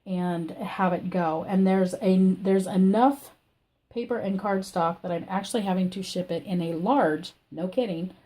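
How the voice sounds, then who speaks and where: A woman with a scratchy, croaky voice from illness, hosting a crafting channel. She gives a rambling, chatty personal update from her home craft room. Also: mid-range voice, measured pace, mellow. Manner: rambling and chatty, with many fillers. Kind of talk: casual personal update chat.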